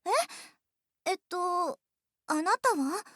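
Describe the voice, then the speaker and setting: A woman's voice: extremely high pitch, a little slow, bright, forceful tone, dry recording, clean studio sound, heavily acted. An actress playing a friendly, easygoing schoolgirl in a visual novel, with a cute, casual, youthful manner. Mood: helpful. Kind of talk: Japanese visual novel voice acting.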